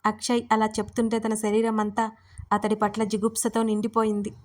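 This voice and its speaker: A woman's voice: medium pitch, completely flat delivery, brisk. A woman narrating a scripted romance story as storyteller, reading steadily and evenly.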